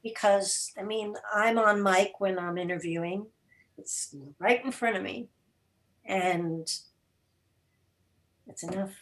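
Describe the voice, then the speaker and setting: A woman answering questions as a guest in a casual online discussion, matter-of-fact, with pauses in the middle of her explanations. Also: medium pitch, a bit bright. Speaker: guest, radio drama producer and interviewer. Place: remote video call.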